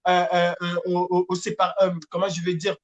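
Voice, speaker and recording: A man's voice: sits high, completely flat delivery, normal speed. A man with a Francophone Cameroonian accent making an impassioned political appeal, emphatic and repetitive, sometimes hesitating as he searches for words. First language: French. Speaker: activist and campaigner.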